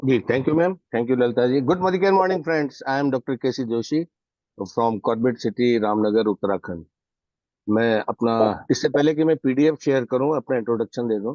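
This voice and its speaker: With an unremarkable speaking voice, a man talks at a medium pitch and moderate pace, his intonation lively. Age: 60s. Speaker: doctor, network marketing leader. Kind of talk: online training presentation.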